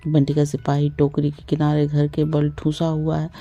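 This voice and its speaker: A woman narrating a novel as an audiobook in an expressive, measured storytelling manner. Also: low voice, muffled recording.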